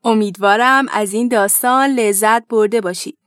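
A woman hosting a children's program, gently narrating a storybook tale and speaking to parents. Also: a little high, dry recording, clean studio sound.

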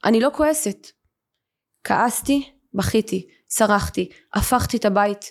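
A woman guest on an interview podcast, telling her own story in a vivid, emotional way. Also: mid-range voice.

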